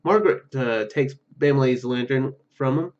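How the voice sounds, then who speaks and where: A man's voice: medium pitch, normal speed, darkish tone, lo-fi sound. A man hosting a let's play, reading story narration aloud with stumbles and casual asides. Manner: stumbles over words while reading. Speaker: gaming video host.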